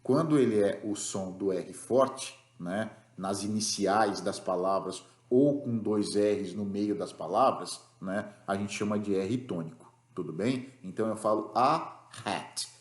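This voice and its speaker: A man's voice: fairly low pitch, a little slow, few pauses, a little mellow, roomy sound. A man with a Brazilian Portuguese accent teaching an English grammar lesson, explaining rules patiently and checking in with the class after each point.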